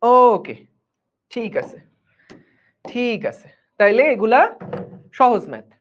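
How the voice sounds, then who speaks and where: A man's voice: extremely high pitch, lively intonation, slow. A man tutors physics in a live online class. He talks in a loose, chatty way and keeps checking that his students are following. The stream audio sounds dull and lo-fi. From Bangladesh.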